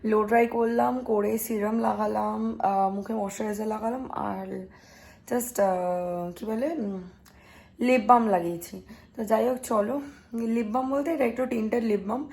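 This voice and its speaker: A woman's voice: medium pitch, moderate pace, vocal fry, a little mellow, low-quality recording. A young woman, chatting casually through a home vlog and slipping in English phrases. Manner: chatty, mixes English phrases, many fillers. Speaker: vlogger. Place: home kitchen indoors. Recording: faint background noise.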